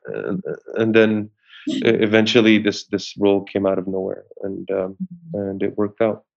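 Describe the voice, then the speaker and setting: A man's voice: fairly low pitch, normal speed, creaky. A man from Syria, an actor, talking in an interview in a hesitant way with many restarts. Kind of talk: interview conversation. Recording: muffled lo-fi sound.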